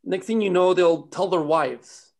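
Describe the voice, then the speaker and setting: A man's voice: high-pitched, a little slow, a little mellow. A man reading the part of a wry, cautious small-town man in a drama table read. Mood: alarmed, urgent.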